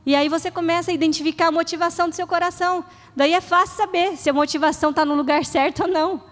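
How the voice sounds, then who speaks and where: A woman's voice: very high voice, fairly even intonation, fast. A middle-aged woman pastor preaching in a church, earnest and conversational, acting out short prayers. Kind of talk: sermon. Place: church hall. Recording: reverberant church hall.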